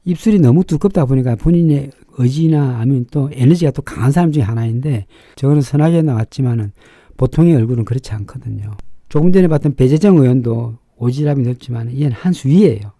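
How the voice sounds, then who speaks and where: A middle-aged man with a slightly raspy, sharp-edged voice, explaining things informally and emphatically as an opinionated fortune-telling show host. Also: medium pitch, fast talker, dry recording, clean studio sound. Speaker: fortune-teller and face reader hosting a show.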